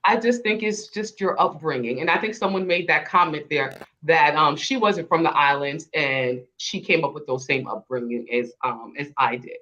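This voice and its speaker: Mom on a panel call. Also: female voice, sits low, moderate pace, hardly any pauses, pushed and bright, lo-fi sound. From Haiti. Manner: earnest, laughs often. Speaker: guest panelist. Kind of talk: casual panel discussion.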